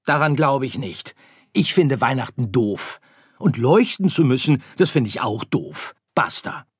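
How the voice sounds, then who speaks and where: A man's voice: medium pitch, animated, unhurried, breathy edge, no echo, clean studio sound, voice pushed up. A man voicing a stubborn, whiny little boy star in an audiobook, pouting and complaining. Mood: sulky. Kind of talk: audiobook character voice.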